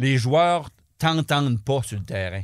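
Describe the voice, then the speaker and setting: Speaking at a very slow pace, a man with a fairly high pitch uses lively intonation on a very clean recording with a silent background. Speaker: teacher, badminton umpire and comedian. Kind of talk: interview. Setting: studio. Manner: animated.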